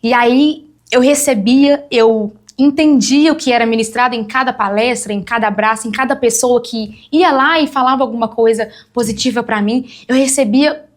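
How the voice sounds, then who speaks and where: A woman's voice: on the high side, normal speed, few pauses. A young woman, telling her testimony as a guest on a church talk show and acting out the voices of people she quotes. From Brazil.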